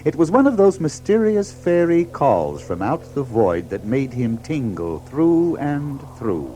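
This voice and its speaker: A man acting as a measured, gently dramatic narrator of a storybook audio drama, with a literary, expressive delivery. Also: mid-range voice, slight background noise, low-quality recording. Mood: measured, atmospheric. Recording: clear music behind the voice.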